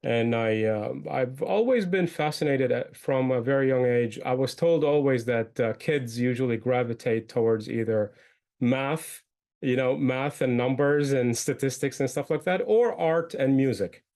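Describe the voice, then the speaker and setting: A man's voice: medium pitch, unhurried, a little mellow. A man from Iraq who moved to the United States young, speaking as an interview guest in a conversational, explanatory way. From born in Iraq, moved young to the United States. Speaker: guest, entrepreneur and podcaster.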